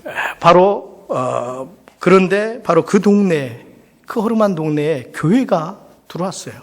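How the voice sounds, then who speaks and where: A man's voice: high-pitched, expressive, measured pace. A middle-aged man, a pastor, giving a sermon as personal storytelling in a conversational way, often putting rhetorical questions. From South Korea. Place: large church hall. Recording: reverberant hall sound.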